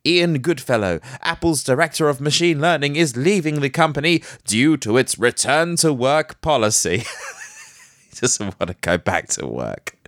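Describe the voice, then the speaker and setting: A man's voice: mid-range voice, sing-song, moderate pace, fairly bright tone, no room sound, studio quality. A man hosting a casual tech news podcast. He is nasal from hay fever and breaks up the news with joking asides. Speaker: podcast host.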